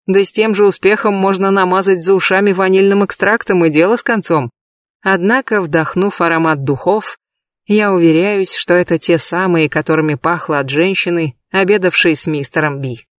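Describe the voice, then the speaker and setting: A man giving a measured, lightly expressive first-person audiobook reading, recorded close in a booth. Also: sits high, dry recording. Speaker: audiobook reader.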